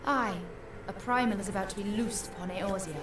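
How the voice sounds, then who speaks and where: Woman acting as composed dutiful female advisor, mid-pitched, formal archaic diction, fantasy game, distant and noisy. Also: fairly quick, natural voice. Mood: composed, urgent. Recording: echoey distant game audio with noise.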